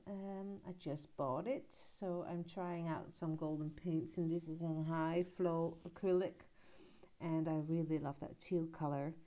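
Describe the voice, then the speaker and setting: A woman giving a relaxed, rambling voiceover about her art journal page, pausing often and filling gaps with little hesitations. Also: low voice. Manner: relaxed, rambling, with many pauses and fillers. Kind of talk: casual voiceover narrating her crafting. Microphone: voiceover recorded at her laptop.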